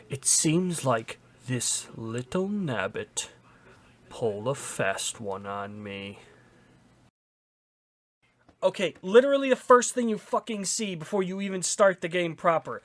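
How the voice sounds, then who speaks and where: A man's voice: medium pitch, sing-song, unhurried, a bit bright. A man reading a written article aloud as a host, in an exaggerated, mock-serious theatrical delivery.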